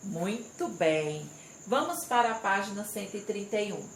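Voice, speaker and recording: A woman teaching a primary school class, going through the lesson step by step, reading aloud and pausing to stress each syllable. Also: mid-range voice, expressive. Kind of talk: recorded remote class lesson. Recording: echoey room with faint insect noise.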